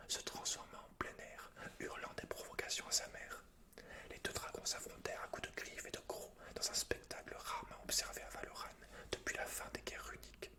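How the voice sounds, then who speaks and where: A man reading game lore in a soft, hushed, breathy whisper, as the host of an ASMR gaming video.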